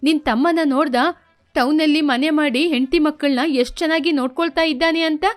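A woman's voice: sits high, fairly even intonation, brisk, close to an everyday voice. Woman voicing a scolding old mother-in-law. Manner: scolding, lamenting. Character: stern grieving older mother-in-law.

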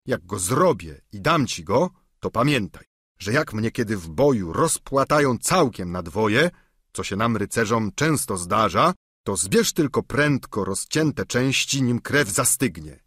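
A man's voice: fairly low pitch, big pitch swings, measured pace, a bit bright, breathy edge, no echo, clean studio sound, exaggerated voice. Don Quixote, a man voicing a pompous aging knight. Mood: boastful. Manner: pompous, declamatory. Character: aging deluded knight, grandiose and solemn. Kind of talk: audiobook character reading.

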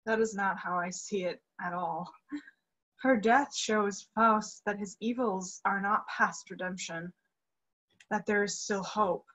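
A woman's voice: mid-range voice, slow pace, fairly bright tone, rough recording. A young woman acting a frightened, secretive opera singer in an emotional staged reading. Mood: earnest. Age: young adult. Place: room at home. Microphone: computer mic on video call.

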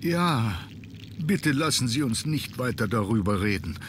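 An actor playing a grieving, deferential old butler in an adventure game, speaking haltingly. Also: male voice, mid-range voice, expressive, slight background noise, close to an everyday voice. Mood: subdued, sorrowful. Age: older. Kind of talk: scripted adventure game dialogue.

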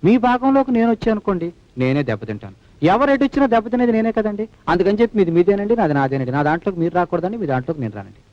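A timid, rambling constable. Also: male voice, sits high, sing-song, very fast, no room sound. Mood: earnest. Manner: polite, repetitive, adds honorifics to every phrase. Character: simple-hearted, timid, rambling male police constable. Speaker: naive police constable. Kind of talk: 1980s film dialogue. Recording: dull lo-fi film soundtrack with music.

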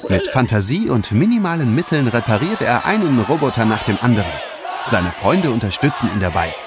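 A male narrator tells a children's audio story in standard German. His delivery is dramatic and animated, with music clearly playing behind him. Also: mid-range voice, brisk, a crowd in the background.

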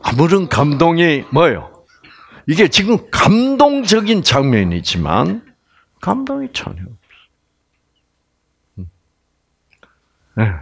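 Male lecturer, emphatic storyteller, keeps quizzing the crowd, unhurried delivery. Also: medium pitch, husky. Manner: quizzes the audience with repeated prompting questions. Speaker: health lecturer teaching the Bible. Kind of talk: live Bible lecture to an audience.

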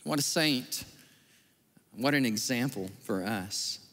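A man's voice: mid-range voice, takes it slowly. A man, preaching a sermon as pastor in a large church, telling stories and acting out the voices of the people in them. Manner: animated storytelling, acting out quoted voices. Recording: long hall reverb.

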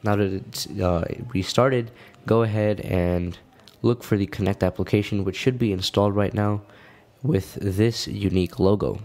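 A man with a fairly low voice hosts a tech tutorial. He explains things step by step in casual, informal language, as someone guiding viewers through a how-to. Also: fairly even intonation, moderate pace, darkish tone.

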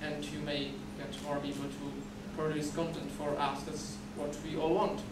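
A Czech man, a native Czech speaker, gives a conference presentation from a podium in a dim lecture hall, his voice on the high side. He explains steadily but haltingly, repeating words and restarting. The podium mic is captured by a distant camera, so the echoey hall sounds noisy and far away.

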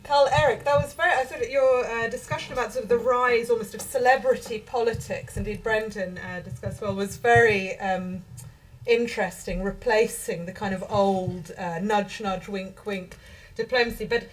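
A woman's voice: medium pitch, steady tone, normal speed, poor audio. A woman chairing a panel debate, asking probing questions in a polite, hesitant way with many restarts. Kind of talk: moderating a panel. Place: conference hall.

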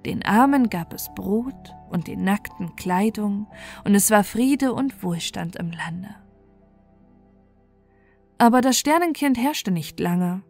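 A woman's voice: mid-range voice, animated, slow pace, gravelly, a little mellow. A woman storyteller reading a scripted fairy tale as bedtime narration. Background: music.

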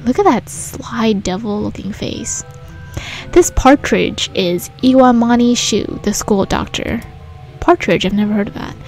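A woman's voice: on the high side, a little slow, a little mellow, rough recording. A woman hosting a let's play, reading a visual novel aloud and adding casual commentary. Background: game music.

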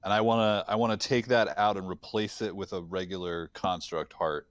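A man's voice: low voice, steady tone, normal speed, dry recording. A man chatting casually as a player in a roleplaying game, hesitant and often rephrasing himself. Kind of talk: casual improvised in-game chat. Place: indoors at home, on a video call.

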